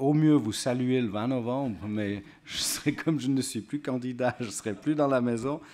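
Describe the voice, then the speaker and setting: The pace is moderate. Pitch variation is ordinary. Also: man. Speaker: politician, president of the national parliament chamber. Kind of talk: press conference answers. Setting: press conference room with audience. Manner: hesitant, many fillers and repetitions.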